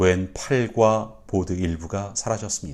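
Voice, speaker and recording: A man speaks with a fairly low pitch. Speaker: channel host, narrator of true inspirational stories. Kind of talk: storytelling narration of a true story.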